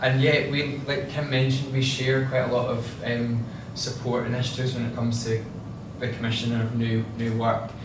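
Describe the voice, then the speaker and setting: A man with a strong Scottish accent giving an informal public talk as a curator, chatty and halting, often repeating words. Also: medium pitch, level tone. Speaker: gallery curator co-presenting an exhibition tour. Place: indoor gallery space. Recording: very echoey room, distant mic, noisy.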